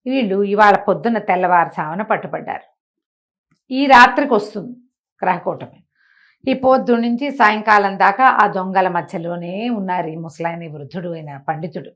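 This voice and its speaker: A woman's voice: fairly low pitch, normal speed, fairly bright tone. A woman telling a children's story aloud in a conversational way, explaining with asides and rhetorical questions. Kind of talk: oral moral storytelling for children, acting out dialogue.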